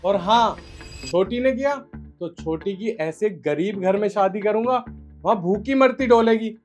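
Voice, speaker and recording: A man's voice: sits high, measured pace, faint music behind. An actor playing a hot-tempered young husband who angrily threatens his wife in a family drama. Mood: angry. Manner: angry, threatening. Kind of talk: Hindi family drama acting.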